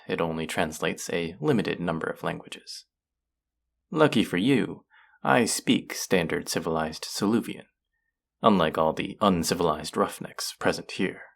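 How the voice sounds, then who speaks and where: Casting: cultured, mocking alien aristocrat type for sci-fi audio roleplay, acted by a performer; deep, lively intonation, condescending and deliberate. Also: creaky, full character voice. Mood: cool disdain. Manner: condescending, amused, deliberate, theatrical. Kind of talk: audio roleplay acting addressed to the listener.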